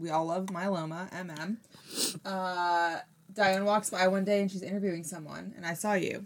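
A woman's medium-pitched voice with an American accent, monotone and flat, at a moderate pace. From Boston area, Massachusetts. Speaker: clinical trials worker at a pharma company. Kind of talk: casual chat. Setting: recording in person in Florida.

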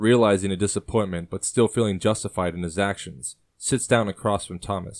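Quiet background, natural-voiced reading aloud

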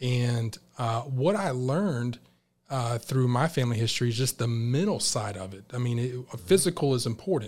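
A man with an American accent talks at a moderate pace and medium pitch, somewhat breathy, with ordinary pitch variation. The recording is very clean, with a silent background. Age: 40s. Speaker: charity campaign volunteer and father. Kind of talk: interview. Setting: studio.

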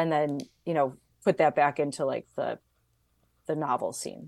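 A woman with an American accent, fairly even intonation and a moderate pace, over a quiet background. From Chicago, Illinois. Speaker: author. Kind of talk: casual interview.

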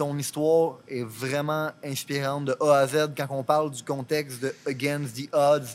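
The speech moves at a fairly slow pace with hardly any pauses and a monotone, flat intonation. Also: man, fairly high pitch for a man. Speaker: podcast host, entrepreneur. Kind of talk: casual interview chat.

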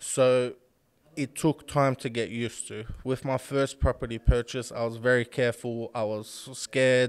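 In an Australian accent, a man speaks at medium pitch and moderate pace in a monotone, flat way. The sound is dry and close, with no echo. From Sydney, Australia. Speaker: real estate consultant, former property investor. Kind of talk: interview. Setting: office.

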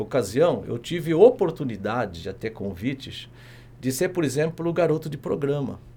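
A man's fairly high voice with vocal fry and a dark, mellow tone. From Angola. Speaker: pastor. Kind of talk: casual chat.

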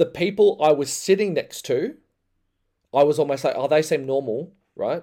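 A man with an Australian accent has a dark, mellow tone. His pitch varies in an ordinary way, with long, frequent pauses. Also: fairly high pitch for a man, moderate pace. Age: 30s. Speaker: podcast co-host. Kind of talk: casual chat.

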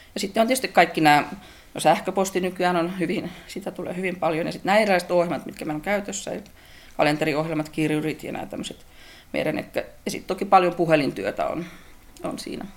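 Her pitch is fairly low, and the woman talks at a very fast pace. Her pitch varies in an ordinary way, and her loudness swings widely. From Finnish Lapland (Rovaniemi). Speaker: church office secretary. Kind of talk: interview.

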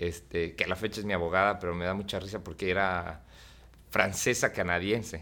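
A man's very deep, low voice, bright and sharp in tone, monotone and flat, at a fairly quick pace. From Mexico City. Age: 30s. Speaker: entrepreneur. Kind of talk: casual interview. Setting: his place of business.

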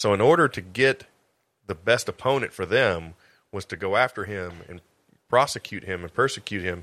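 Speaking with an American accent, this man has a fairly low pitch and a bright, sharp tone. His intonation is lively, with big swings in loudness. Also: moderate pace. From US, Columbus. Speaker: podcast guest. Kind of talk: casual chat.

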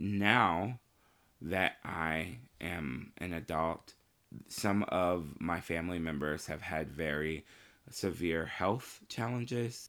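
A man with an American accent speaks at a very slow pace with a very deep, low pitch and ordinary pitch variation. His tone is bright and sharp, and the recording is very clean with a silent background. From Indiana, US Midwest. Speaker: opera singer and doctoral student. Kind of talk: interview monologue. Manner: halting.

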